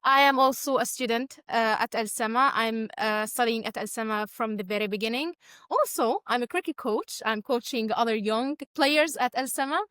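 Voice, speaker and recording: An eighteen-year-old woman from Syria with a Syrian Arabic accent, introducing herself informally in halting, simple second-language phrases. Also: on the high side, a bit bright, smooth, dry recording, clean studio sound. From Deir ez-Zor, Syria. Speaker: interview guest, student and cricket coach.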